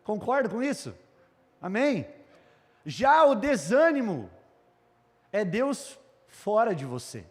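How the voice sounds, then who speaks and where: A man's voice: sits high, very animated, slow pace, pauses often. Brazilian guy preaching a sermon, talks right to the crowd and folks at home, big hall echo. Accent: Brazilian Portuguese. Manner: addresses congregation and online viewers directly, prays aloud. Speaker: pastor. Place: church hall. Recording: long hall reverb.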